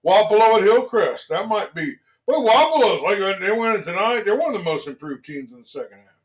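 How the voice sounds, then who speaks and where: A man's voice: high-pitched, fairly quick, low-quality recording. A man hosting a local sports talk show, chatting casually about games with many fillers and restarts. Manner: relaxed, lots of fillers and restarts. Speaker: sports radio host.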